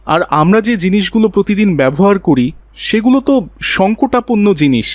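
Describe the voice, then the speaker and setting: A man acts a patient, devout father in a children's cartoon. His fairly high voice is recorded close and dry, and he soothes and preaches kindly. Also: lively intonation, moderate pace, dry recording. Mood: gently admonishing. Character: gentle pious father patiently counselling his young daughter. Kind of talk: children's Islamic cartoon voice acting.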